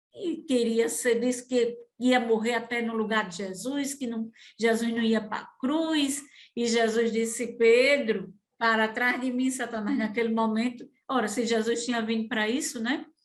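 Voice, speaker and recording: A woman at a fairly slow pace, with a Rio Grande do Norte accent. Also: fairly high pitch for a woman. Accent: northeastern Brazilian (Rio Grande do Norte). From Brazil, Rio Grande do Norte interior. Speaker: Bible teacher. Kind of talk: Bible study teaching podcast. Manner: conversational, animated.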